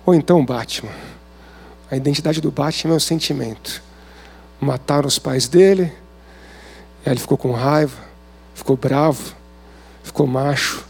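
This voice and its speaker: Gravelly-voiced Brazilian man preaching casually. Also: mid-range voice, normal speed, long pauses. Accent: Brazilian Portuguese. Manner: conversational, rhetorical questions, many fillers. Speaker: preacher at a men's service. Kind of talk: informal sermon.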